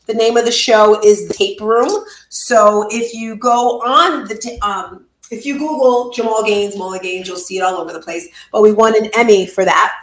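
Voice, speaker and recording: A woman's voice: mid-range voice, moderate pace. Heartfelt middle-aged woman in an echoey room. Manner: earnest and heartfelt, with sudden lively outbursts. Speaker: guest, bereaved mother. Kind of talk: emotional storytelling in conversation.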